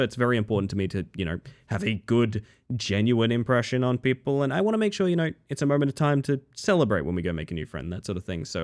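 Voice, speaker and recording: A man's voice: mid-range voice, darkish tone. A male streamer at the end of a long session, chatting casually with viewers in a sleepy, crackly voice. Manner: friendly, rambling, thanks viewers. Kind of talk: casual stream sign-off chat.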